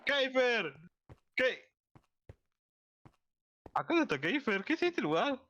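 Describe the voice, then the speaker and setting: A person improvising a game roleplay with friends in an excitable, theatrical way over online voice chat. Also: medium pitch, slow. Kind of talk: improvised Minecraft roleplay chatter. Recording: dull, slightly noisy gaming mic.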